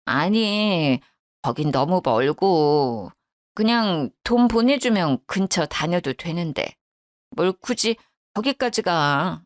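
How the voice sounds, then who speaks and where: A woman's voice: expressive, slow. A woman voicing a sulky, bitter older mother-in-law who speaks in curt, grumbling lines. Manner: curt, grumbling, turns shrill when angry.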